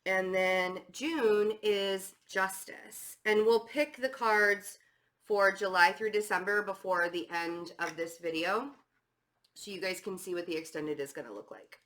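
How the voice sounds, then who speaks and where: A woman with an ordinary mid-range voice, audibly hoarse and congested. She talks through a tarot reading casually, filling pauses with "um" and restarting her sentences as she goes. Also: mid-range voice, fairly bright tone. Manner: chatty, many fillers and restarts. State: hoarse and stuffy. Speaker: tarot reader.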